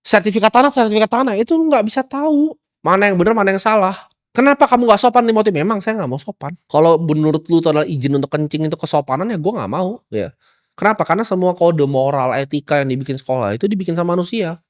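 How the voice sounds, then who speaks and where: A man's voice: high-pitched, animated, quick pace. A young man giving a blunt, provocative motivational talk, mocking and casual. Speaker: motivational speaker.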